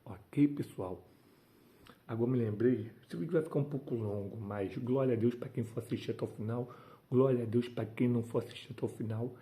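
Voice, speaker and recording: A man delivers a devotional sermon with fervent emphasis. He often breaks into exclamations of praise. His voice is very mellow and dark-toned. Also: medium pitch, fairly quick. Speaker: preacher.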